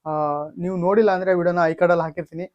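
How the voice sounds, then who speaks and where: A man presents a casual update for his channel. His voice sits a little high for a man, and the sound is dry with no room around it. He talks haltingly, stretching out hesitations and leaning on the same stock phrases. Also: little pitch movement, a little mellow, no echo, muffled recording. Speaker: YouTube channel host. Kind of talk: casual film and gaming news update to camera or mic.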